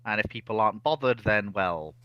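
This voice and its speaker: A man's voice: on the low side, animated, a little fast, sharp tone, smooth, dry recording, muffled recording. A man chatting casually as a co-host on a discussion show. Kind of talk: casual chat.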